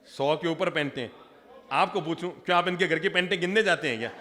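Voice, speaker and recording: A man's voice: on the high side, fairly quick, pushed and bright, slight background noise. A Jain monk from Rajasthan preaching, joking with and questioning his audience. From Rajasthan, India. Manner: humorous, engages audience directly. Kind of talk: sermon. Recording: long hall reverb.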